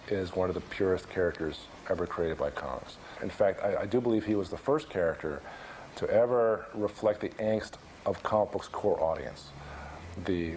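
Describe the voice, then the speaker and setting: A man's voice: low-pitched, warm tone, rough recording. A man giving emphatic, enthusiastic commentary in a documentary interview.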